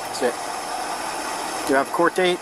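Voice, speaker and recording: A man's voice: fairly high pitch, moderate pace. A male police officer casually explaining procedure in an informal, matter-of-fact way, recorded on a body camera. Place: outdoors at a roadside by vehicles. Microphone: body-worn camera. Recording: noisy bodycam outdoors near car engine.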